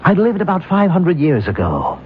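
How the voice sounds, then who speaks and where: Displaced Native American man, earnest, troubled insistence, lively pitch, tinny hissy vintage radio play. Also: moderate pace, husky, heavily acted. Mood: insistent. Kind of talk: old-time radio drama acting. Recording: muffled, noisy old radio broadcast, phone-like.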